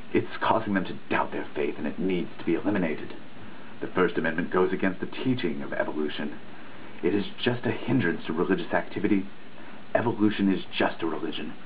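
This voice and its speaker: A man giving a dramatic reading of a written text, earnest and emphatic in a preachy way, now and then stumbling over a word. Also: low-pitched. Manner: earnest, emphatic, preachy delivery with occasional misreadings. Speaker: reader of a dissertation. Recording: tinny phone-like sound with faint noise.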